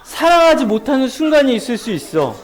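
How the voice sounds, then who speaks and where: Speaking in a very high voice at a slightly quick pace, a male children's pastor delivers a sermon at a kids' church service. His storytelling is animated, and he keeps putting questions to the children.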